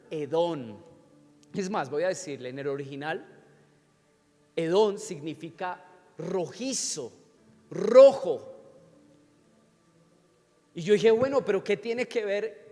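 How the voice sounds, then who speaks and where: A Colombian pastor preaches a sermon in a church sanctuary, teaching and often putting questions to the congregation. His voice sits high and dark-toned, sing-song and slow with many pauses, and the recording carries church hall reverb and faint music.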